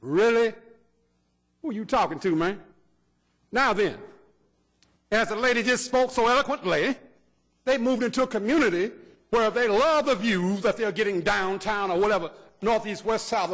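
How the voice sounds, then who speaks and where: A man's voice: sits high, moderate pace, pauses often, a bit bright. A man, an activist giving a fiery, confrontational public comment full of rhetorical questions at a council podium microphone. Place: city council chamber. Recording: long reverb in large chamber.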